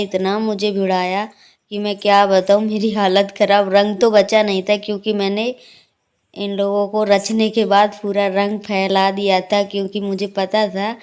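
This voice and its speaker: A young woman vlogs from a dark room in her home at night, chatting casually and laughing while she describes what the kids are up to, filmed on a phone set on a tripod. Her mid-range voice is smooth and darkish, with little pitch movement and a measured pace.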